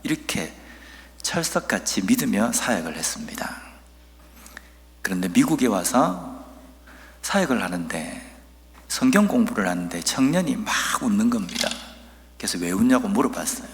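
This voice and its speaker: A pastor from Busan, South Korea, preaches a sermon in the Busan dialect, earnestly telling stories and reading scripture slowly and with emphasis. His voice is on the low side and sing-song, with a long reverb tail.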